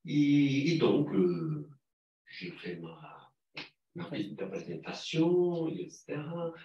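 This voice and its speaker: Guy, slow and halting, lowish voice, far off in an echoey room, kinda dull sound. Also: very animated, dark tone, slight background noise. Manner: hesitant, halting with many repeats. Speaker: audience member at a lecture. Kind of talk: conference discussion remark. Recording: roomy, distant, dull sound.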